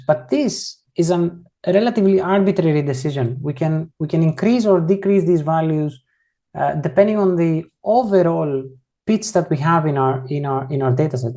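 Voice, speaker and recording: Mellow-voiced instructor walking through code. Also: mid-range voice. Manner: casual, explains step by step while working through code; frequently rephrases and corrects itself mid-sentence. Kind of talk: online coding tutorial.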